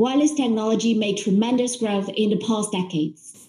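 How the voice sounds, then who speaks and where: A woman with a dark, mellow, somewhat breathy tone speaks at a moderate pace, with audible room echo and a quiet background. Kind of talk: prepared promotional talk. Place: office. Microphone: webcam.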